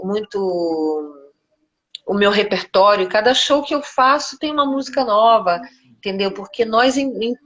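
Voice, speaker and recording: A middle-aged woman with a Brazilian accent speaks as a guest in an interview. She is a singer, and she talks in a casual, conversational style. Her voice sits at a medium pitch.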